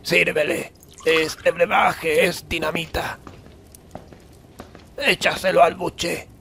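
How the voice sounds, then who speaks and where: A man playing a curt, high-pitched, gravelly barkeep. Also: steady tone, takes it slowly, bright, forceful tone, a little hiss or hum, exaggerated voice. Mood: commanding, urgent. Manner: curt, commanding. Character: gruff, bossy bar owner on a stormy night. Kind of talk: audio drama acting.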